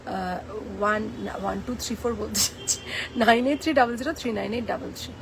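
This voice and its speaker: A woman's voice: medium pitch, fairly quick, gravelly, background noise. A woman hosting a live jewellery sale, chatting playfully and mixing in English phrases. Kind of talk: live-stream sales chat.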